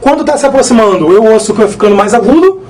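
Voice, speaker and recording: Fast-talking physics teacher. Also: male voice, high voice, rough recording. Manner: energetic, repetitive, joking. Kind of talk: live exam-prep lesson.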